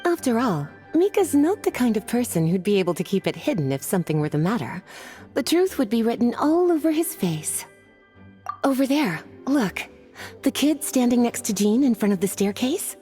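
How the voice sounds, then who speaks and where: A woman voicing a friendly young knight who calmly explains things. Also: a little high, moderate pace. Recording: game audio with music.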